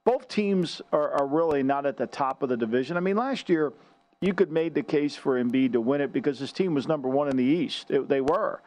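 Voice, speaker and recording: A man's voice: fairly high pitch, animated, brisk, darkish tone. A man with a Boston accent hosting casual sports radio chat, often repeating words as he searches for them. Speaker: show host.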